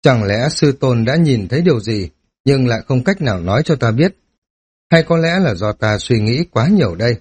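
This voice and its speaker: A man voicing a young male cultivator who murmurs his thoughts in a measured, brooding way, read in an audiobook. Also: mid-range voice, big pitch swings, a little mellow, slightly rough. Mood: doubtful. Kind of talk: audiobook character reading.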